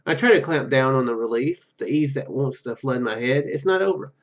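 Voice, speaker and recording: A man's voice: medium pitch, lively intonation, fairly quick, lo-fi sound. A man reading a visual novel aloud and commenting casually, often stumbling over his words. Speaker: gaming YouTuber.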